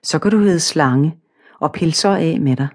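A woman's voice: low voice, a little mellow. A woman reading a storybook, voicing a bored, naive young man who talks plainly and a little whiny.

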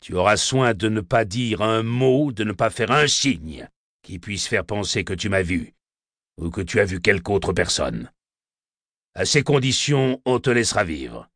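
A male narrator voicing a menacing, rough escaped convict who speaks slowly and threateningly. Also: expressive, fairly bright tone, dry recording, clean studio sound, exaggerated voice. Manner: slow, threatening, low delivery.

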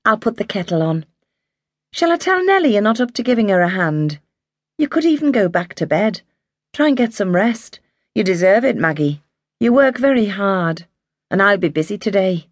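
A woman reading the part of a tired, caring young working-class mother who speaks gently but firmly to her children. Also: medium pitch, big pitch swings, normal speed, no echo, studio quality, voice pushed up. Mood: concerned.

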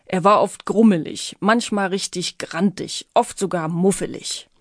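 A woman's voice: lowish voice, unhurried, dry recording, clean studio sound. A woman narrating her own children's audiobook in a playful storytelling manner. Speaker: author and narrator.

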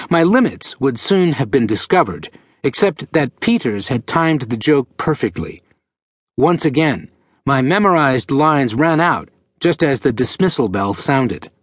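A male audiobook narrator at a mid pitch reads a first-person memoir with a lively, rising-and-falling melody. His telling is measured and expressive. He is recorded close in a dead, dry booth with no room sound. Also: no room sound.

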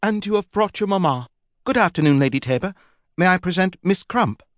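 A man's voice: sits high, expressive, fairly quick, dry recording, clean studio sound, pitched above the performer's own voice. A man voicing a flustered, polite young Regency wife who falters when pressed.

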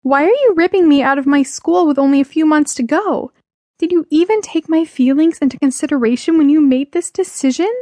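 A woman's voice: high-pitched, animated, a little slow, pauses often, warm tone, dry recording, voice pushed up. A woman voicing an upset, emphatic sixteen-year-old girl in an audiobook. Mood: pleading, upset. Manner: emotional, emphatic. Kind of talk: audiobook character dialogue.

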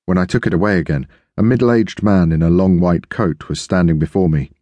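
A man narrating an audiobook in the first person, steady and measured. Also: sits low, dry recording, highs cut off.

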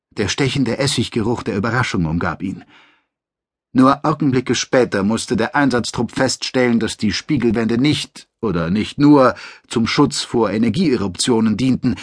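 A man reading a science-fiction audiobook in a measured, dramatic narrating voice. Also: medium pitch, no room sound, clean studio sound. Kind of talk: scripted narration.

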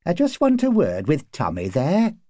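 Man voicing an anxious, high-pitched neighbour woman. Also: wildly swooping pitch, moderate pace, mellow, no echo, clean studio sound. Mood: placating. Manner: urgent, hesitant, colloquial. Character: anxious, deferential working-class woman neighbour. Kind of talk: audiobook character acting.

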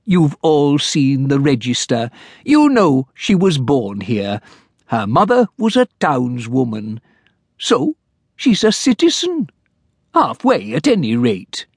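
A man's voice: medium pitch, huge pitch swings, takes it slowly, breathy edge, no echo, clean studio sound, full character voice. A man voicing a timid, pedantic little male town clerk who speaks apologetically and fussily. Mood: persisting.

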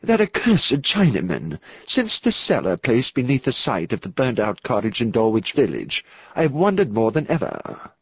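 A man voicing a nervous, excitable clergyman in an audiobook, hesitant and emphatic, in a slightly dull recording. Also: medium pitch, moderate pace, husky, no room sound, full character voice. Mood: nervous musing. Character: nervous, excitable clergyman with truculent fierce energy. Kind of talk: audiobook character acting.

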